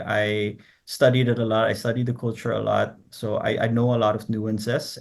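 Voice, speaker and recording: A man's voice: mid-range voice, vocal fry. A man from Korea, a native Korean speaker, talking as a guest researcher in a conversational interview. He lays out his ideas point by point and keeps checking in with the listener. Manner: explains in numbered points, tags statements with quick checks.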